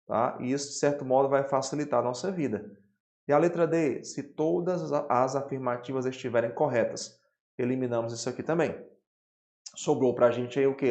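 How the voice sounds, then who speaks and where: Male Brazilian teacher at a whiteboard, mid-pitched, explains and checks in with his students, roomy echo. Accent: Brazilian Portuguese. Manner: lively explaining, frequent "tá?" and "né?" checks. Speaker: Portuguese teacher. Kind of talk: exam-prep lesson, solving questions.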